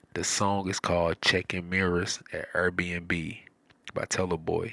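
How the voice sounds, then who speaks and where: A man's very deep, low voice with a bright, sharp tone, flat monotone delivery at a fairly slow pace, a St. Louis accent, and a dry, close, very clean recording over a silent background. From US Midwest, St. Louis, Missouri. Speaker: ASMR livestreamer and musician. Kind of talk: casual livestream chat. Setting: live stream.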